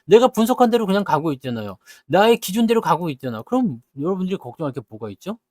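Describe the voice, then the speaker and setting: A man talks stock markets to his viewers in a blunt, scolding way, firing off rhetorical questions and mimicking their grumbles. His voice sits high and swings widely in pitch. The sound is dry and close. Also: sing-song, a little mellow, no echo. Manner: acts out investors' grumbling in quick asides. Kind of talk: lively market talk to viewers.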